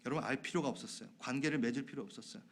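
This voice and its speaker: In a church sanctuary, a pastor delivers his sermon at a very fast clip in a mid-range voice, with a little background noise. He talks with his congregation conversationally, puts questions to them, and swings from loud emphasis down to soft, whispered asides.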